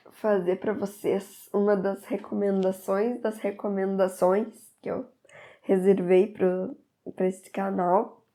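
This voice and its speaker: A woman's voice: medium pitch, dark tone. A woman, slightly stuffy from a cold, recommending a book in an enthusiastic, rambling way. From southern Brazil. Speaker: book reviewer. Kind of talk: casual book recommendation to camera.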